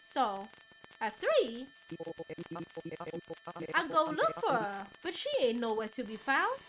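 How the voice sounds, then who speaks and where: Agitated old vagrant played by a woman, high and swooping, loud confused rambling, visual novel. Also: huge pitch swings, slow, a little hiss or hum, full character voice, low-quality recording. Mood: distraught. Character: dirty, agitated, confused old homeless man.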